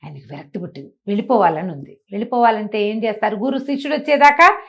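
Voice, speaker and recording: Woman storyteller, conversational and unhurried in explanation. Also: medium pitch, lively intonation. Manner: conversational, explains with asides and rhetorical questions. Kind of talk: oral moral storytelling for children, acting out dialogue.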